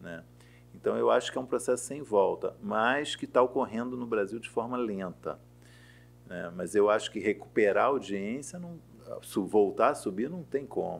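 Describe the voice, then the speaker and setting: Big swings in loudness from a man at a moderate pace. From Rio de Janeiro, Brazil. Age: 60s. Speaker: journalist and TV critic. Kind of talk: interview. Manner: halting.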